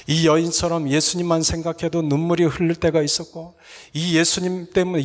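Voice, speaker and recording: A male pastor preaching a sermon, earnestly putting rhetorical questions to his congregation and sometimes dropping to a soft whisper. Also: fairly high pitch. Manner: earnest, addresses listeners with repeated rhetorical questions. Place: church sanctuary. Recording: long reverb of a church hall.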